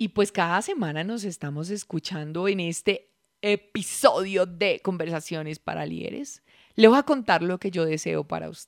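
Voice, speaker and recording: An unremarkable speaking voice at a moderate pace, with ordinary pitch variation and big swings in loudness, its sound dry and close with no echo on a very clean recording with a silent background. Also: woman, fairly low pitch for a woman. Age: 40s. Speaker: leadership coach. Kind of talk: podcast monologue. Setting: indoors by a window.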